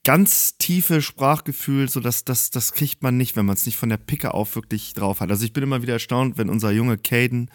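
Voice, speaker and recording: A man's voice: medium pitch, normal speed, few pauses, no room sound, clean studio sound. A man from Hamburg in his forties, chatting as a guest in an interview and often repeating words as he hunts for the next one. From Germany, Hamburg. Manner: hesitant, repeats words while searching for them. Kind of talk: casual interview chat.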